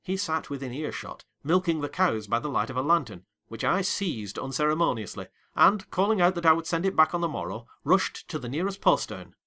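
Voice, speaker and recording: A man narrating a dramatized classic novel in first person with a theatrical, expressive delivery, soft music beneath. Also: a little high, brisk, hardly any pauses. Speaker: audiobook narrator.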